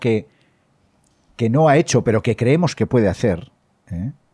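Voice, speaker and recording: The voice has a dark, mellow tone. It moves at a moderate pace with lively intonation. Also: man. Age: 60s. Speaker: podcast host and coach. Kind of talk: casual chat.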